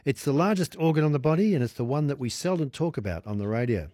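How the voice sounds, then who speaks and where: A man's voice: mid-range voice, lively intonation, quick pace, warm tone, dry recording. Older Australian male talkback host, upbeat and talkative, dry close mic. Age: 60s. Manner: chatty, enthusiastic, wordplay. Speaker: radio host. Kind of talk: evening talkback radio.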